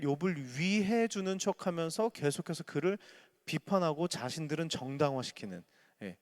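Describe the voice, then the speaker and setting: A male pastor preaching a dawn service sermon, retelling scripture in an animated way. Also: on the high side. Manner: animated, acts out scripture quotes. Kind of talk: early-morning sermon. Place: church sanctuary.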